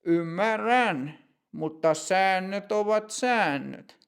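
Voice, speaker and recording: A man's voice: high-pitched, animated, creaky, clear, resonant tone. A man voicing a firm, stern ticket inspector in a short lesson dialogue.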